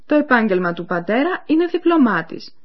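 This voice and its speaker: Female radio course presenter, clear explanatory delivery, animated pitch, muffled lo-fi sound. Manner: clear, explanatory, addresses listeners. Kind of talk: scripted educational narration. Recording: dull lo-fi radio recording.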